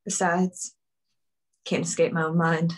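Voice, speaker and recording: A woman's voice: on the low side, flat delivery, unhurried. A woman reading a bitter, grieving shopkeeper. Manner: bitter, defensive. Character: grieving, bitter grown woman keeping busy. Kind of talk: table read.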